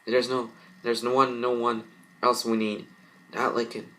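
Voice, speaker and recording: A man's voice: mid-range voice, flat delivery, a little slow, pushed and bright, poor audio. A man voicing an evil, possessive mirror monster from a cartoon fan story, coaxing and menacing.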